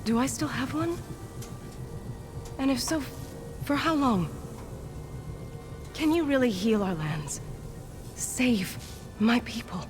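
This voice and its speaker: A woman's voice: a little high, lively intonation, slow pace, pauses often. An actress playing a solemn, grieving yet defiant tribal woman in a video game, speaking formally and earnestly. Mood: solemn, troubled. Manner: formal, earnest, weighty phrasing. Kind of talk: dramatic video game acting. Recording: music behind the voice.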